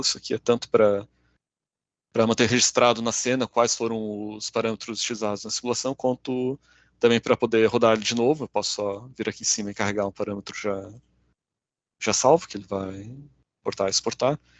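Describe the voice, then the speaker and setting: A man at a very fast pace, medium in pitch, with fairly even intonation and long, frequent pauses. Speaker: software trainer. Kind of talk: tutorial.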